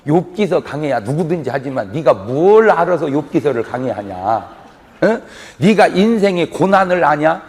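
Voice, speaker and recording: A man preaching a sermon as pastor, telling stories with loud emphasis and quiet asides and asking the congregation questions. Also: mid-range voice, long reverb tail. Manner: lively storytelling, swings between loud emphasis and quiet asides.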